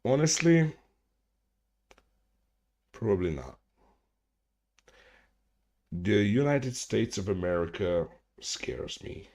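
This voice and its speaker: A man's voice: fairly low pitch, big pitch swings, slow, vocal fry, pauses often, darkish tone. A man from Hungary, chatting casually with viewers on a livestream from home, rambling, restarting his sentences and swearing freely. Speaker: streamer hosting a chat hangout.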